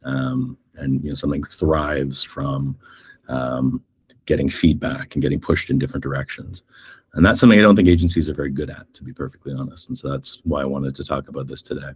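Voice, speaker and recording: A middle-aged man from Canada with a North American accent, speaking as an agency executive in a thoughtful interview, measured with frequent ums. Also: rumbling low, fairly even intonation, breathy edge, dry recording. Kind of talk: reflective interview talk.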